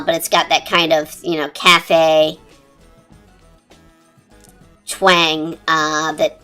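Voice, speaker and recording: A streamer talking through a high-pitched chipmunk voice changer in rambling, casual chat while drawing. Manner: rambling, chatty, lots of fillers. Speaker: art streamer. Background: quiet cafe-style background music.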